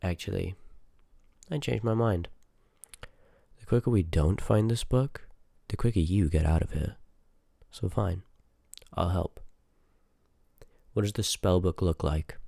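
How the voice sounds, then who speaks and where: A man's voice: low voice, a little slow, vocal fry, pauses often, warm tone, no echo, full character voice. A man voicing a rude, sarcastic, reluctant sorcerer of a haunted house in a scripted ASMR roleplay, grumbling and dismissive, close on the microphone. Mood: grudging, dry.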